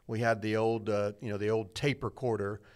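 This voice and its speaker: A man's voice: fairly low pitch, level tone, fairly quick. A middle-aged man telling his story in a casual, rambling, self-deprecating way as a podcast guest. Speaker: church media director, guest.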